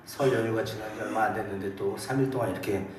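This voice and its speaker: A male pastor, hoarse from a cold, preaching a calm, measured sermon in a military chapel. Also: on the low side, distant mic, slight background noise. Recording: echoey hall, mic heard from afar.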